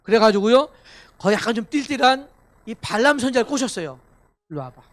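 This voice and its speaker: A man's voice: very high voice, fast, fairly bright tone. A male pastor preaching a Sunday sermon, reading scripture aloud and asking the congregation questions. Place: church sanctuary.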